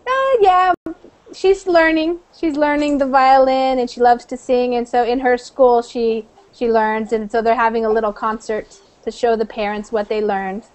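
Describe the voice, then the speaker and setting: A woman's voice: fairly high pitch, normal speed, a little hiss or hum. A woman from the United States teaching an online English class over a video call, friendly and chatty with many fillers.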